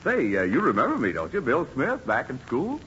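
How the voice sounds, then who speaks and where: An actor playing a hearty, back-slapping old school friend in a 1940s radio comedy, effusive and overly hearty. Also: male voice, medium pitch, huge pitch swings, a little fast, a bit bright, a little hiss or hum. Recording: muffled old radio broadcast.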